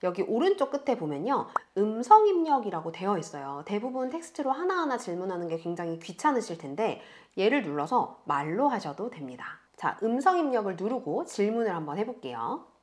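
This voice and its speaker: A woman's voice: mid-range voice, sing-song, a little fast, hardly any pauses, a little mellow, slight background noise. A woman instructor patiently walking beginners through a tutorial step by step in a friendly way. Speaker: online instructor. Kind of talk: screen-recorded tutorial narration.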